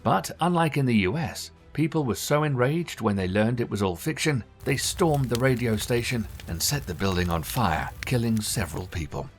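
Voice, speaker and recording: A man reading a scripted documentary narration in a measured, even storytelling manner. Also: mid-range voice. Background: faint background music.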